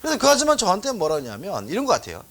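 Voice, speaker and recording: A middle-aged man teaches law for an exam course in a conversational way. His pitch rises and falls a great deal. He keeps asking the class rhetorical questions. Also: wildly swooping pitch, rapid-fire, fairly bright tone. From Seoul, South Korea. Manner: chatty, asks rhetorical questions, tells anecdotes. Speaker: law lecturer. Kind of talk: exam-prep lecture.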